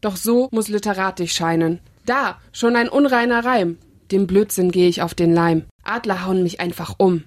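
A woman's voice: medium pitch, moderate pace, lightly acted. A woman voicing a dreamy male dinosaur who muses in rhymes in a storybook poem. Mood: musing. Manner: musing, whimsical rhyming.

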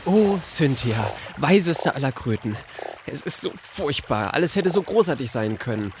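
A man's voice: medium pitch, sing-song, moderate pace, a little hiss or hum, lightly acted. A man voicing a bookish teenage girl who has ended up with a man's voice, stammering and flustered, in a comic audio play. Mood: pleading.

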